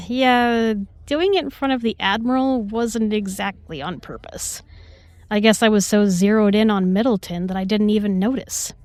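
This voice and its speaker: A woman's voice: mid-range voice, moderate pace, darkish tone, no echo, natural voice. A woman acting a self-assured, protective starship doctor in a sci-fi audio drama, composed and pointed in her delivery. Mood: tender, protective.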